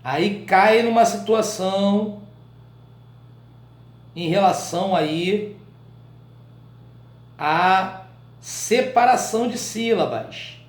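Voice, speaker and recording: A Brazilian man teaching a live writing class in a colloquial, animated way, often checking in with his students through short questions. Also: sits high, very slow, pauses often, echoey room. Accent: Brazilian Portuguese.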